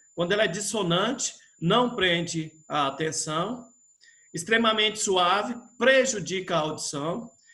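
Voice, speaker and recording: A man speaks in a raised, projected voice with a high pitch, moving at a fairly slow pace. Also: ordinary pitch variation. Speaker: pastor teaching homiletics. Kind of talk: lecture.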